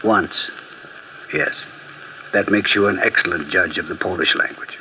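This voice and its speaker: A man's voice: low voice, normal speed, highs cut off, slight background noise, close to an everyday voice. Man playing a dry, sardonic detective. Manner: dry, ironic. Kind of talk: radio play narration and acting.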